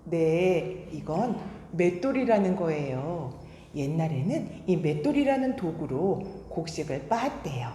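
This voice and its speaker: A woman working as a children's storytelling teacher, speaking to young children with simple explanations, questions and deliberate phrasing. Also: low-pitched, very animated, mellow. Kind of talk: children's storytelling and sing-along greeting. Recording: echoey reverberant room, faint background noise.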